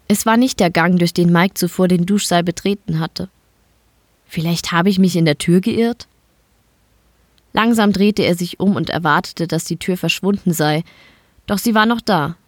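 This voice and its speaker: A woman from Bavaria narrating an audiobook in a steady, measured storytelling manner. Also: on the low side, no echo, clean studio sound. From Bavaria, Germany. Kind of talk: scripted narration.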